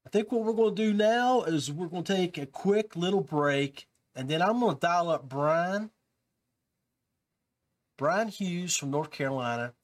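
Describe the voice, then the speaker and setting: A man hosts a podcast in a relaxed, rambling way, with fillers and restarts. His voice sits a little high for a man. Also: unhurried. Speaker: podcast host. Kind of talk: casual podcast talk.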